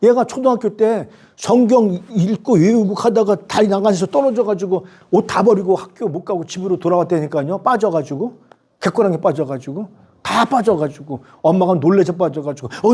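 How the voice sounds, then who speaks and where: Man in his 60s lecturing a class, telling stories, asking the room questions, husky warm voice a bit high. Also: brisk. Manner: chatty storytelling, rhetorical questions. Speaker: professor. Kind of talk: university lecture.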